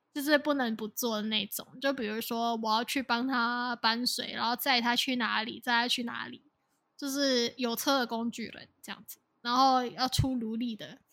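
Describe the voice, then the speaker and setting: A woman's high, bright and sharp voice at a moderate pace, fairly even in intonation but with big swings in loudness. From Hong Kong. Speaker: startup founder, podcast co-host. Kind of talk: casual chat.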